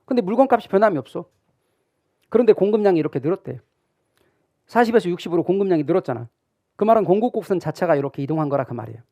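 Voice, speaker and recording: Animated, high-voiced male lecturer. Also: very fast, long pauses, no echo. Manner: animated, asks students questions and answers them himself; acts out imagined student questions. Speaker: real estate exam lecturer. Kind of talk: classroom lecture.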